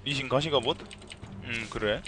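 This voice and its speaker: A man streaming a video game, commentating live and loudly scolding his teammates. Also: mid-range voice, normal speed, soft background music. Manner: excitable, loud scolding at teammates.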